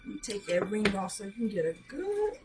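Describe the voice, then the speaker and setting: A middle-aged woman with a hoarse voice, chatting casually as she shows jewelry to a webcam in a small room. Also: mid-range voice, big pitch swings, music in the background. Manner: chatty, slow, showing items up close. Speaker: jewelry seller. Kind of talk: live sales show chat. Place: small decorated room indoors. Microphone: webcam at arm's length.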